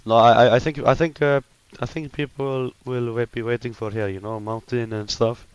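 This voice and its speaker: A man's voice: medium pitch, fairly even intonation, moderate pace, clear, resonant tone, dull audio. A man from Iceland streaming a shooter game, chatting casually with a teammate and playing dumb as a joke. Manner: joking, playing dumb, self-assured banter. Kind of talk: casual gaming chat.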